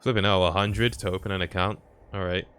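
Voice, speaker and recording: Lowish-voiced man giving casual game commentary. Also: steady tone, fairly quick, a bit bright, clear, resonant tone. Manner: thinking aloud, mild slangy exclamations. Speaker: game streamer. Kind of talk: casual let's play commentary.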